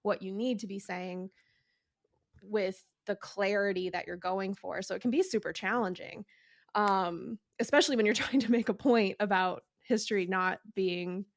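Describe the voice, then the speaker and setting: A woman's voice: mid-range voice, normal speed, no echo, studio quality. A woman hosting a podcast, chatting casually and hesitantly with lots of likes and ums. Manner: hesitant, filler-heavy, with many likes and ums. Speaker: podcast host and attorney.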